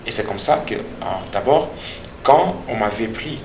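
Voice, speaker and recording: A man with a Congolese accent giving a personal religious testimony as a pastor, speaking deliberately and repeating phrases for emphasis. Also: medium pitch, lively intonation. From Democratic Republic of the Congo. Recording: echoey room with clear background noise.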